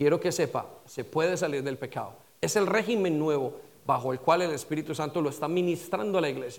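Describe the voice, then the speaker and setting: This man's voice sits fairly high, his pitch varies in an ordinary way, and he moves along at a fairly quick pace. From Colombia. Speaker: pastor. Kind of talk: sermon. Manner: halting, many fillers.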